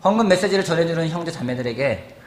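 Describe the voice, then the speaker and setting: A man preaching a sermon in a church, asking the congregation questions and acting out quotes in a lively way. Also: on the high side, fast talker, slight background noise. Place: church sanctuary. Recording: echoey church hall with faint ambience.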